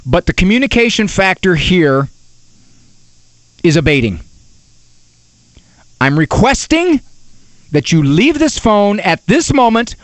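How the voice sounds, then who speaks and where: A man's voice: high-pitched, dry recording. A man doing a comedy monologue, telling stories with exasperation and mock-formal big words. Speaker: stand-up comedian.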